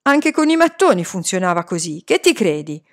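A woman doing a shouting, defiant boy. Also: fairly low pitch, big pitch swings, moderate pace. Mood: angry, defiant. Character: angry frightened boy, stubborn.

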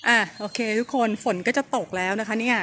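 A woman's voice: fairly high pitch, fairly quick. A woman giving a chatty walking tour outdoors and keeping her voice down. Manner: chatty, speaks softly and keeps her voice down. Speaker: travel vlogger touring a temple. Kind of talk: casual guided tour talk. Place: outdoors at a temple on an overcast day. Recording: noisy outdoor recording.

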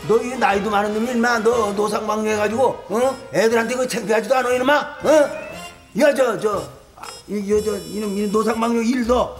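A blustering older constable, as a man acts him in a period television comedy. He scolds and threatens in a high, strained, gruff voice. Music plays behind the scene. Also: steady tone, moderate pace, lightly acted. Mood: berating. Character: blustering older male constable, bossy and boastful. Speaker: police officer in a period sitcom. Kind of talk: slapstick sitcom acting.

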